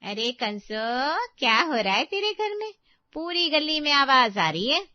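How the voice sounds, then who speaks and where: This is a gossipy older neighbor woman, voiced by a woman in a cartoon story. She speaks high and sing-song, drawing out her jibes slowly, with a cackling laugh. The recording is slightly dull and very dry, with no room echo. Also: very animated. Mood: mocking. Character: mocking older female neighbor, gossipy rival. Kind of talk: Hindi cartoon story voice acting.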